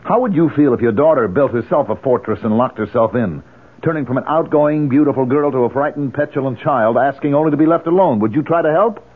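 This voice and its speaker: An actor playing a steady, protective fiancé in a 1970s radio drama, earnest and insistent. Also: male voice, medium pitch, fast talker, lightly acted. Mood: firm, probing. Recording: muffled, husky-sounding old radio broadcast.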